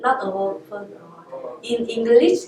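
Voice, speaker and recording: With a Korean accent, a woman speaks at a fairly high pitch, with audible room echo and noticeable background noise. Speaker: ESL student. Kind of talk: interview answers. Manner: halting.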